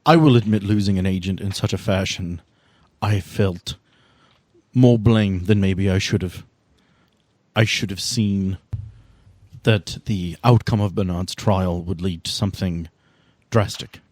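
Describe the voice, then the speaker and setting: A composed, caring woman in charge of a team , played by a man in a tabletop role-playing game. The voice is on the low side and closely recorded, with little room. The delivery is earnest, formal and measured. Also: darkish tone, no room sound. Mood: regretful. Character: composed, caring female team leader, guilt-laden and firm.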